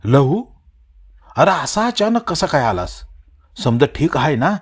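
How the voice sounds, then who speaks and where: A man's voice: fairly high pitch, sing-song, measured pace, husky, voice pushed up, exaggerated voice. Man putting on a fretful old village mother. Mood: anxious. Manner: pleading, scolding in rustic village speech.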